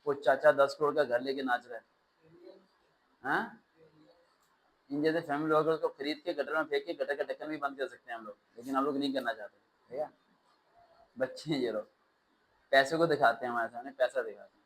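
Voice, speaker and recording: A man teaching a test-prep class, lecturing in an animated way with sarcastic, ranting asides. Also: medium pitch, a little fast, pauses often, poor audio.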